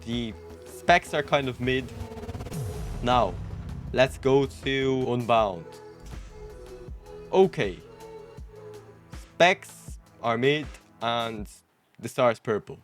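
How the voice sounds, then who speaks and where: A man's voice: medium pitch, extremely slow, long pauses. A young adult man giving casual gameplay commentary to camera as the host of a gaming video. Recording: music behind the voice.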